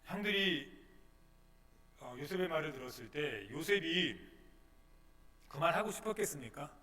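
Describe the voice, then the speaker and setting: Male pastor, high bright voice, dramatic sermon delivery, long church-hall reverb. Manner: dramatic, acts out the congregation's complaints in quotes. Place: church sanctuary.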